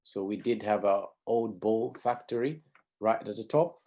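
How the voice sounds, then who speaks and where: A man from Zambia, middle-aged, teaches a pathfinder class. His voice sits low and sounds warm and dark. He explains step by step, and he often repeats or restarts a phrase partway through. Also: moderate pace. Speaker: pathfinder honour instructor. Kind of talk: teaching a class over video.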